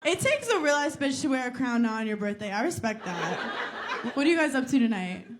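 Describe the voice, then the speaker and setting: A woman from New York doing stand-up crowd work, teasing audience members in brash, rapid banter on a club stage. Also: a little high, very animated, background noise. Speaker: stand-up comedian. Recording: live club with crowd laughter.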